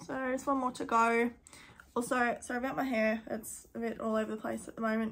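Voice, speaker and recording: With an Australian accent, a woman talks at a fairly quick pace with fairly even intonation over light background noise. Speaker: crochet business owner and vlogger. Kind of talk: casual vlog. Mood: amused storytelling. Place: home room. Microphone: phone near.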